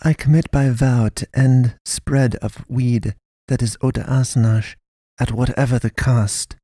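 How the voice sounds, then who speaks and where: A man reading a story, voicing a stern foreign woman pastor who hunts monsters, speaking slow, blunt, broken sentences. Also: mid-range voice, steady tone, mellow, dry recording, clean studio sound, voice pushed up, natural voice. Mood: grave. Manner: broken grammar, blunt, measured.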